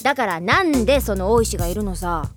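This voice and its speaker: A woman's voice: medium pitch, lively intonation, a little fast, over music, lightly acted. A woman playing a brash, bossy, tomboyish schoolgirl club leader with a mock-pompous manner in an anime audio drama. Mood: suspicious, exasperated.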